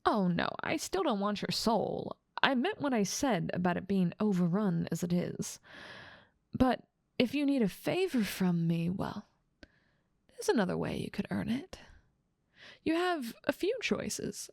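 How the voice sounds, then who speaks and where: A woman's voice: mid-range voice, sing-song, a little slow, creaky, no echo, studio quality, heavily acted. A woman playing a haughty, dominant demon lord who mocks and teases the listener in a scripted ASMR roleplay. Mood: teasing, amused. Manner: dominant, amused, mocking, theatrical. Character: haughty, teasing female demon lord ruling part of hell.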